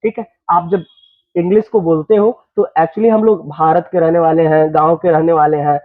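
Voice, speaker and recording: Young male teacher with a Bhojpuri-flavored accent and a high voice, recorded thin like a phone line, repeating lines and checking students understand. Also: steady tone. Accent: Bhojpuri-influenced Hindi. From eastern Uttar Pradesh, India. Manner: repeats phrases, checks students understand, slows down for English sentences. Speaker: English teacher. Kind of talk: classroom lesson.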